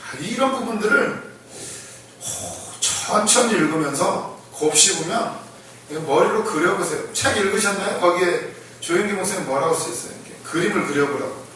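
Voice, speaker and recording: Animated and conversational, a preacher tells a story at a moderate pace, acting out the shouting of the blind men and frequently breaking into laughter. His voice sits high and bright for a man, captured from a distance in a very echoey church with faint ambience and slight hiss or hum.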